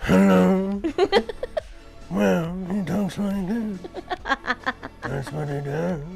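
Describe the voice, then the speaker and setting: A put-on character voice at middle pitch and a very slow pace, over clear music in the background. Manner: sleepy, strung out.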